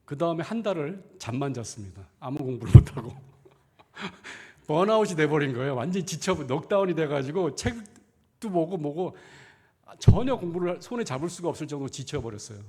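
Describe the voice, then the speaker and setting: A man's voice: on the high side, lively intonation, a little fast, darkish tone, slightly rough. A middle-aged man, a pastor, preaching a conversational sermon in a church, asking rhetorical questions and acting out inner thoughts. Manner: acts out inner thoughts in quoted asides. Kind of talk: sermon seminar. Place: church sanctuary.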